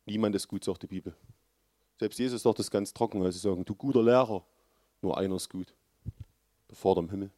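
A man preaching a sermon, with earnest, loud emphasis that drops to low, quiet lines. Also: dry recording, studio quality.

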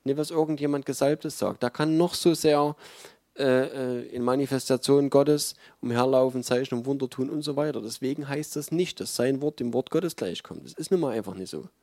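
Mellow-voiced German man preaching. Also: mid-range voice, fairly quick, no echo. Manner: conversational preaching, emphatic, with frequent fillers. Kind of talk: sermon.

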